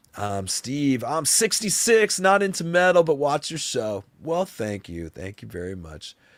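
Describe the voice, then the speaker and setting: A man with an American accent, animated and fairly slow, with very wide pitch swings. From New Jersey. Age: 50s. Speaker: guitarist and live stream host. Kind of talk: casual live stream chat. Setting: live online stream.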